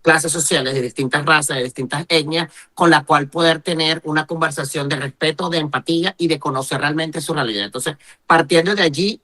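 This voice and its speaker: A man's voice: on the high side, brisk, pushed and bright. A man from Venezuela, a journalist and activist answering in an interview, emphatic, with rhetorical questions and tag questions. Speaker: journalist and human rights activist, interview guest.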